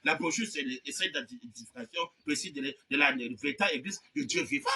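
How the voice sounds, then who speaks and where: A male preacher delivers a fervent, shouted sermon. His voice sits high and rings with a sharp, intense brightness. He swings from loud high cries down to low murmurs and punctuates his points with repeated amens. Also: fast.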